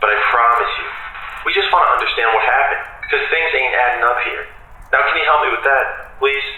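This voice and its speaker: An actor playing a patient, plain-spoken police detective in an audio drama, with an earnest, coaxing, colloquial manner. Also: male voice, medium pitch, fast talker, bright, forceful tone. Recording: very echoey room.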